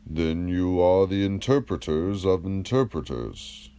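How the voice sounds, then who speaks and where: A man reading the part of a probing, measured philosopher in an audiobook of a classical dialogue, teaching through rhetorical questions. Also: low voice, lively intonation, dark tone, clear, resonant tone.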